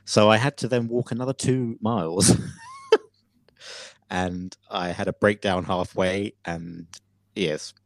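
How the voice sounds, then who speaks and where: Man, dramatic storyteller, lowish voice. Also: fairly even intonation, takes it slowly, pauses often, no room sound. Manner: theatrical storytelling, hesitant with fillers. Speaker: podcast co-host. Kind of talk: casual chat.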